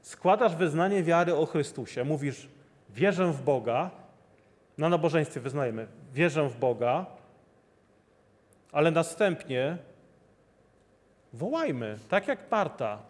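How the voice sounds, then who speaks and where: A man delivers a sermon, pressing his listeners with the same rhetorical questions again and again. His voice sits a little high for a man. It rings with the long reverb of a large hall. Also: animated, measured pace, long pauses. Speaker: preacher.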